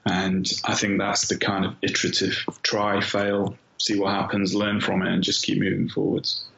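Middle-aged man, gravelly and echoey. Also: deep voice, completely flat delivery, moderate pace, a bit bright. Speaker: interview guest, author. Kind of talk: casual conversational interview answers. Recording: muffled, roomy, echoing sound.

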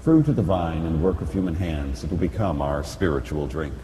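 Priest praying in cathedral echo. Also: male voice, a bass voice, animated. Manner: formal, measured recitation. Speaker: priest celebrating Mass. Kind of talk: solemn liturgical prayer, partly chanted. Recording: echoey church, long reverb, background noise.

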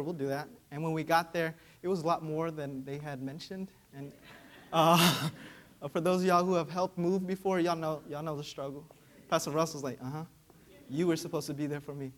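A young male preacher whose first language is Vietnamese, speaking in a somewhat high voice. He preaches in a loose, conversational manner and keeps checking in with the listeners through tag questions. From Vietnamese American, raised in Georgia. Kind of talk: sermon.

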